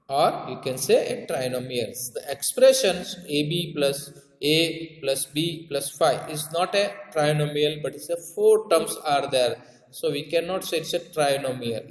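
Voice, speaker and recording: A man with a South Asian accent teaching a maths lesson, repeating key terms and checking understanding with tag questions. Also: a little high. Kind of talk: classroom lesson explanation. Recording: echoey room with long reverb.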